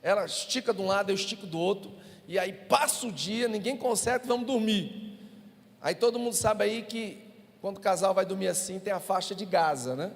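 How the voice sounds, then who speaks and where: With a high voice, vocal fry, and a fairly quick pace, a pastor with a Brazilian Portuguese accent preaches to his congregation and shares humorous stories. The recording carries the echo of a church hall.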